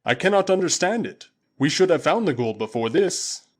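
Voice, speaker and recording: A man's voice: a little high, expressive, moderate pace, pitched above the performer's own voice. A male audiobook reader voicing a proud, loyal tribal warrior who speaks emphatically and respectfully to his master. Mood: puzzled. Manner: emphatic, earnest, deferential. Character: proud loyal African tribesman, warrior servant.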